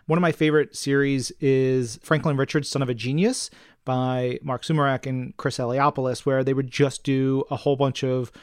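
Man, podcast co-host, smooth clear voice, slightly higher pitch, effusive, casual chat, dry sound. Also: level tone, moderate pace, dry recording. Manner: enthusiastic, effusive.

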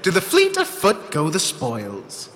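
An irreverent trickster fairy, mocks and teases. The pitch is highish and leaps about wildly. Long reverb surrounds this flippant fantasy audio drama voice. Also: male voice, wildly swooping pitch, measured pace, a bit bright, a little hiss or hum, full character voice. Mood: sardonic. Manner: mocking, playful, flippant. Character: the Puck, impish wisecracking trickster fairy, irreverent.

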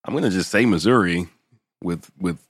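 A hoarse man chatting casually as a sports podcast co-host. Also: low-pitched, normal speed, dry recording, clean studio sound.

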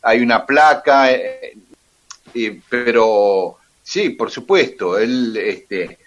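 A man's voice: mid-range voice, expressive, very slow, fairly bright tone, lo-fi sound, slight background noise. A man with an Argentine accent, telling a story on a radio show in a chatty way, with many "este" and "eh" fillers. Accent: Argentine Spanish. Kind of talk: casual radio chat, storytelling.

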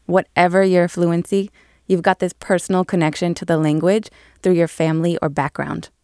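A woman with a fairly low voice explains a topic clearly and in a relaxed way. Her voice is recorded dry and close. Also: normal speed, no echo. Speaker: podcast producer. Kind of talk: conversational explainer.

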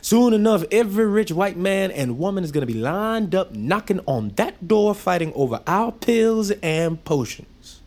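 An actor playing a young enslaved apprentice who is blunt and distrustful. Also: male voice, sits high, big pitch swings, moderate pace, hardly any pauses, darkish tone. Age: young adult. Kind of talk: audio drama.

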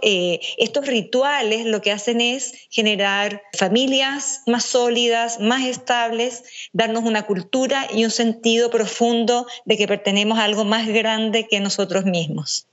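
A woman from Venezuela with an accent blended by years in Chile, explaining family nutrition in a measured, structured way as an interview guest. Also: on the high side, fairly even intonation, fairly bright tone, highs cut off. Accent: Venezuelan mixed with Chilean. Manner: measured, structured, lists points. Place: speaking remotely from home.

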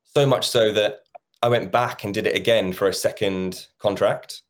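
A man talks in a relaxed, chatty way, slipping into little quoted exchanges as he tells his story. He is in his thirties, and his voice sits on the low side. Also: normal speed. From England. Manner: chatty, acts out quoted conversations. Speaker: musical theatre actor, guest. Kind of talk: casual interview chat.

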